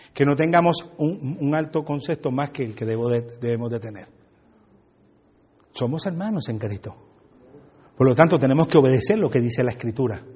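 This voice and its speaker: A pastor from a Puerto Rican family in Brooklyn, speaking with a Puerto Rican Spanish accent, preaches a joking, conversational sermon and trades lines with his congregation in a church hall. His pitch is fairly high and slightly rough, trailed by a long reverb tail.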